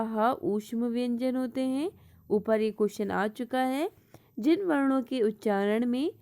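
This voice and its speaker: A woman in a teaching role works through exam-prep questions at an unhurried pace. Her voice sits a little on the high side. She reads each question aloud before explaining it, dropping English words into her Hindi. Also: warm tone.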